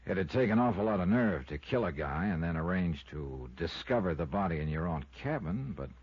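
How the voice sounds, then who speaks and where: A muffled vintage radio recording of a sardonic American investigator from a 1950s detective drama. His voice is deep and swings expressively. The delivery is clipped and world-weary, with a soft heart under the toughness. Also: animated, fairly quick, breathy edge. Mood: wry, frustrated. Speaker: lead actor and narrator.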